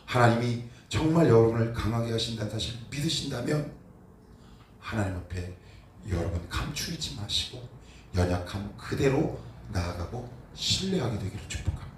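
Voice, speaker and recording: A male pastor delivers an emphatic sermon and keeps turning to the congregation with questions. His voice sits at an ordinary middle pitch. It rings through a very reverberant church hall, caught from some distance with a faint hiss underneath. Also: animated, moderate pace. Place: church sanctuary.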